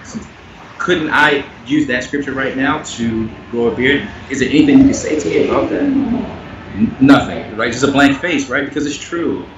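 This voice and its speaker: A man speaking earnestly as an interview guest, getting animated when he makes a point. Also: medium pitch, normal speed, distant mic. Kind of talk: candid conversational interview. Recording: echoey, muffled, noisy remote audio.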